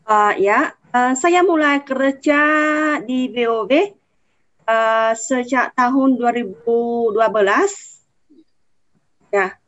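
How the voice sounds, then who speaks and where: High-voiced Vietnamese woman, halting non-native speaker. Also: fairly bright tone. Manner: foreigner speaking Indonesian, halting with word searches. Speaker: radio announcer interviewee. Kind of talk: casual interview answers. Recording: dull, lo-fi audio.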